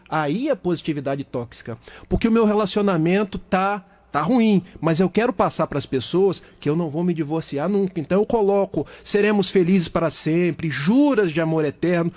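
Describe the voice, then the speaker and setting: Brazilian guy on radio talk, kinda high voice, lots of examples, explains stuff patiently. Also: a little mellow. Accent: Brazilian Portuguese. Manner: explanatory, speaks at length with examples. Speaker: guest speaker.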